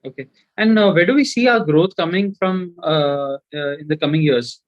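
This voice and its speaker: A man's voice: on the high side, moderate pace, no room sound. A man, an individual investor putting questions to management over a muffled conference call line.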